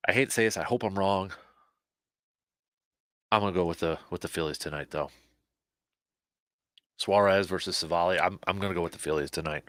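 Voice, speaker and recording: Low-voiced man hosting sports talk. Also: a little fast, pauses often, no echo, studio quality. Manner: animated, repeats words, restarts sentences. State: slightly hoarse, losing his voice. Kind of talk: casual sports talk show.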